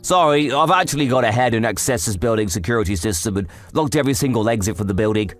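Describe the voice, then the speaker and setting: A man voicing a sharp, accusatory office coworker in a comic dub, with a theatrical, taunting delivery. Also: medium pitch, animated, quick pace, natural voice. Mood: smug. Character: sharp, accusatory male coworker exposing a liar. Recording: voice over background music.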